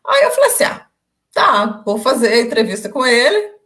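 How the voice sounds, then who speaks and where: A young Brazilian woman with a Brazilian Portuguese accent, chatting as an interviewee on a video call, telling her story with lively ups and downs and lots of filler pauses. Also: fairly high pitch. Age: young adult. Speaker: interviewee, former language student. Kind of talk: casual interview chat.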